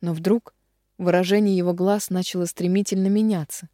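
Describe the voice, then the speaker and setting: Dark-voiced woman reading an audiobook. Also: fairly low pitch, level tone, no room sound, studio quality. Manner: dramatic, slowing down on heavy phrases. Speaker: audiobook narrator. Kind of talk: expressive audiobook narration.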